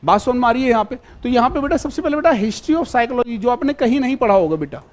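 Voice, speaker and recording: A man's voice: very high-pitched, lively intonation, fast talker. A man teaching a live online exam-prep class, fatherly and repetitive, always checking whether his students follow. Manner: fatherly, keeps calling students "beta" and checking if they follow.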